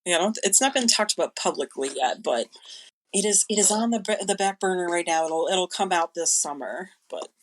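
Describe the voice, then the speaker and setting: A woman's voice: on the low side, brisk, a little hiss or hum, rough recording. A woman chatting casually and explaining things as a guest on a podcast.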